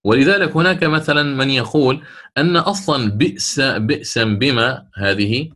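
A man's voice: medium pitch, fairly bright tone. A man teaching a lesson on Quran recitation rules, explaining lines of a teaching poem. He stretches out the quoted verses and corrects himself often. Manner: slows to chant quoted verses, then explains quickly; frequent self-corrections and fillers.

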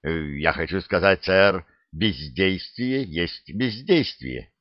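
A man's voice: low-pitched, sing-song, slow pace, dry recording, muffled recording, heavily acted. A man reading the part of an older veteran soldier with a dry, blunt, self-deprecating way of talking. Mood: wry. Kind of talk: audiobook character reading.

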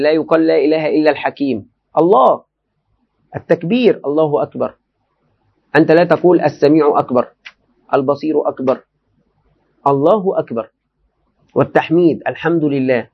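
Man teaching a religious text, highish voice, repeats himself a lot, kinda muffled lo-fi recording. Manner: repeats and restates phrases for students; addresses listeners directly, often checking understanding. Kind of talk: classroom lecture explaining a text.

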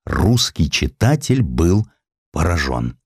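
A man narrating a historical sketch as a dramatic audiobook, with varied emphasis and deliberate pauses. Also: low voice, sing-song, breathy edge, dry recording, studio quality.

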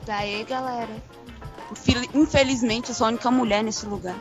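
A woman's voice: a little high, steady tone, moderate pace, highs cut off, soft background music. A woman guest on a casual podcast, chatty and playful among the men.

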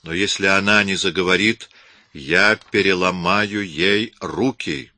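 A man voicing a brutal, menacing man who speaks slowly and threateningly. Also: sits low, sharp tone, dry recording, full character voice. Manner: threatening, slow and heavy.

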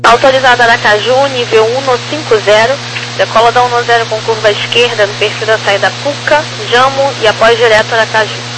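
Noisy radio, high-voiced Brazilian woman controller. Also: steady tone, a little fast. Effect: two-way radio. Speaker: air traffic controller. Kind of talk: reading clearances in radio phraseology. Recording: humming, noisy aviation radio.

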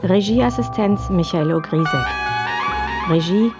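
A man's voice: high-pitched, measured pace. A man reading scripted credits as a radio announcer. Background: loud music.

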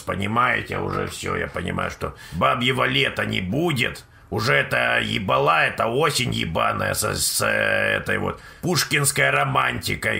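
A man talks straight to his live-stream audience in a low voice with a tense, sharp edge. He rambles and swears freely, keeping a blunt, offhand tone. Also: vocal fry. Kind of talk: casual live-stream chat to viewers.

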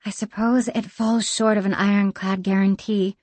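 A woman doing a measured, deadpan tinkerer. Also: medium pitch, no room sound, lightly acted. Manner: careful, measured, slightly formal.

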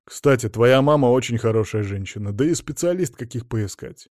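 A man's voice: medium pitch, lively intonation, normal speed, a little mellow, dry recording, close to an everyday voice. Male narrator voicing a blunt, faintly mocking lawyer, frank and matter-of-fact; dry, close audiobook sound. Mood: reassuring. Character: wry, blunt middle-aged male lawyer.

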